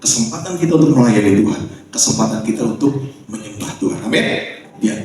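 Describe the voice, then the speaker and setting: Male preacher, chatty storyteller with jokes, heard from afar in a boomy hall. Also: brisk. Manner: chatty, joking, lively storytelling with asides to the congregation. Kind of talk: sermon with personal stories. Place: church sanctuary. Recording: very echoey church hall, voice from far off.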